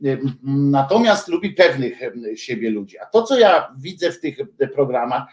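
A man's voice: mid-range voice, sing-song, normal speed, darkish tone. Heated man ranting in an echoey room. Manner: heated, scornful, many hesitation fillers. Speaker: political commentator. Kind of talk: ranting monologue to viewers.

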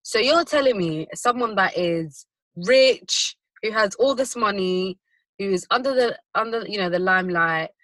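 A speaker with a London accent, debating casually as a co-host in slangy talk. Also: female voice, medium pitch, unhurried, fairly bright tone, no echo, rough recording. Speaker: podcast co-host.

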